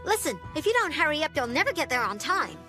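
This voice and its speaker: A woman voicing a squeaky, bossy spirit creature. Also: very animated, quick pace, over music. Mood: impatient.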